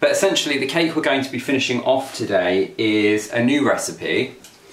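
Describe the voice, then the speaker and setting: Fairly quick male speech with audible room echo around it. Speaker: baking channel host. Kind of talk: casual vlog chat. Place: kitchen.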